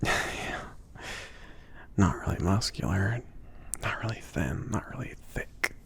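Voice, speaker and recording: A man playing a bashful, indulgent mage shopkeeper in an intimate ASMR roleplay, speaking in a breathy, gravelly half-whisper with a hesitant, gently teasing, rambling manner. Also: deep voice, lively intonation, slow pace, exaggerated voice. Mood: shy, playful. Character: soft-spoken, bashful, easygoing male mage shopkeeper, indulgent.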